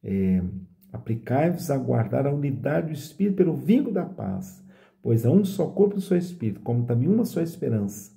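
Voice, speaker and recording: A middle-aged man from Brazil, a priest, reading scripture aloud and explaining it in a slow, reflective way, often asking "né?". He speaks into a phone camera held close in a small indoor room. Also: mid-range voice, sing-song, vocal fry, warm tone. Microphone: phone camera at close range.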